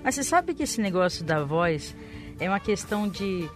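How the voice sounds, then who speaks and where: A woman with a Brazilian accent co-hosts a radio show, chatting casually and explaining health tips. Her medium-pitched voice is very animated at a moderate pace, with background music playing under it.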